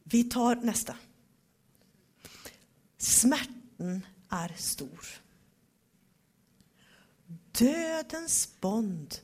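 A woman giving a devotional Bible teaching, reading verses slowly and with emphasis, then talking them over. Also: on the low side, a little mellow, breathy edge.

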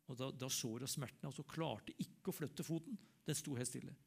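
An older man, preaching and telling a personal story, acting out the dialogue and dropping to a soft, low voice for quoted prayer. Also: creaky, breathy edge.

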